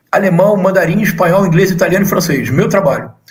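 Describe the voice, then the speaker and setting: A man speaks at a very fast clip in an animated tone, his pitch high. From Brazil, Rio de Janeiro. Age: 60s. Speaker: professor. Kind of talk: interview.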